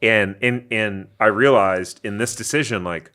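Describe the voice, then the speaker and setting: Male podcast host, low-pitched, halting and searching as he asks questions. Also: bright, forceful tone, clean tone. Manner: hesitant, reframes his questions as he goes. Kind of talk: casual interview questions.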